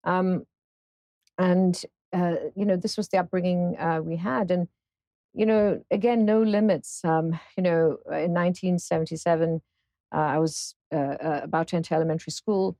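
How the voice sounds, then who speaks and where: A woman in her fifties from Singapore, a guest in an interview, speaking thoughtfully with many pauses and fillers. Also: lowish voice, fairly even intonation, mellow, no room sound. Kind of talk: casual interview conversation.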